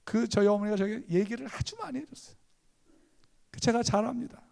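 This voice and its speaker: A male pastor from Gangwon Province in Korea, preaching a sermon with animated, humorous storytelling. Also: very high-pitched, a little fast, gravelly. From Gangwon Province, South Korea.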